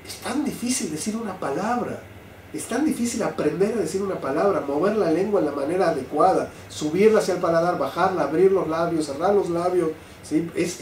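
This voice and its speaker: An older man, a rabbi, giving a Torah class, lively and full of rhetorical questions. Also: high voice. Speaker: rabbi teaching. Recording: roomy sound, mic at a distance, faint noise.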